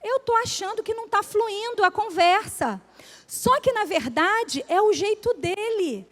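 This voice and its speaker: A woman with a Brazilian Portuguese accent gives a lively motivational business talk to a live audience. She asks the listeners questions and acts out everyday examples. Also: very high-pitched, measured pace. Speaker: speaker at a business breakfast talk. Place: event room with audience. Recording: live hall with long reverb.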